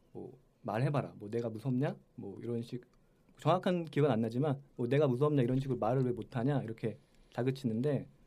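Speech rushes by at a very fast pace with ordinary pitch variation. The tone is dark and mellow. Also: man. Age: 30s. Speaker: film and dating blogger. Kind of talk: casual chat.

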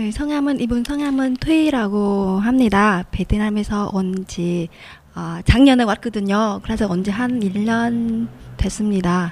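Delivered at a very slow pace, the speech has ordinary pitch variation and a Vietnamese accent. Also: woman, fairly high pitch for a woman. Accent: Vietnamese-accented Korean. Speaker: marriage migrant and volunteer interpreter. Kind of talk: interview with interpreting. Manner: halting.

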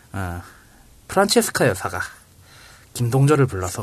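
A man against a quiet background. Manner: animated.

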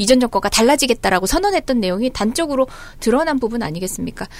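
Her pitch is high for a woman. It swings very widely as she talks. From South Korea, Daegu region. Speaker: lawmaker. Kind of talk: casual political talk. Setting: studio.

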